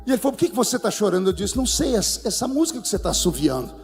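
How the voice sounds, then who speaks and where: High-voiced pastor in a reverberant hall. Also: male voice, very fast, creaky. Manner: animated, humorous storytelling with acted quotes. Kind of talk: sermon testimony storytelling. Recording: reverberant church hall with music.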